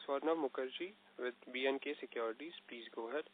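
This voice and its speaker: A man's voice: mid-range voice, fast. A man, a conference call moderator making polite, scripted announcements. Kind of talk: formal announcements. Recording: phone line.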